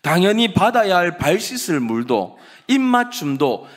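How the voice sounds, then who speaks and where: A male pastor preaching a sermon, dramatic and swinging from loud emphasis to hushed words. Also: a little high.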